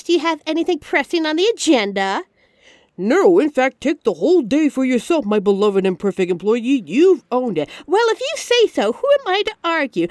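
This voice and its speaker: Woman acting a high-voiced, teasing mafia boss lady. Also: no room sound, studio quality. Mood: smug, playful. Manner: teasing, smug, chatty, addresses listener directly. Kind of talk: scripted ASMR-style roleplay audio drama.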